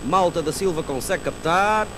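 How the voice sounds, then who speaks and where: Male commentator, extremely high strained pitch, fast dramatic football calls, very noisy archive broadcast with loud crowd. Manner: excited, building to shouted goal calls. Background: stadium crowd and loud noise.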